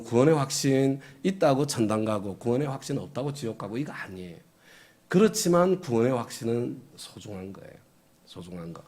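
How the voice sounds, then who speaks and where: A man's voice: mid-range voice, darkish tone. A middle-aged man preaching a sermon as pastor, conversational, often asking the congregation questions and chuckling.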